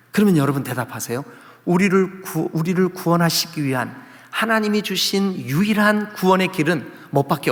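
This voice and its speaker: A male pastor preaching a sermon, asking the congregation questions and acting out the voices he quotes. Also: fairly high pitch. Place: church sanctuary. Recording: church hall with long reverb.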